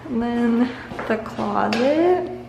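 A woman's voice: fairly high pitch, expressive, extremely slow, gravelly, noisy background. Giggly young woman in an echoey empty house. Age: young adult. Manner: giggly, chatty, narrating as she walks. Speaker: vlogger. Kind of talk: casual vlog, house tour. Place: car, then empty house with bare rooms. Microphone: handheld camera at arm's length.

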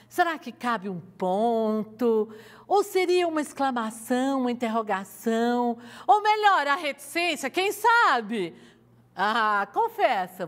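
A woman's voice: high voice, fairly bright tone, long reverb tail. A woman teacher with a Brazilian accent from Goiás, giving a televised lesson and coaxing her students with questions. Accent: Brazilian Portuguese, Goiás.

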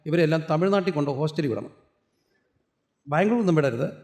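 Malayali pastor preaching in an echoey hall. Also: male voice, on the high side, lively intonation, fast, a little mellow. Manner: preaches with rhetorical questions he answers himself. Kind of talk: sermon.

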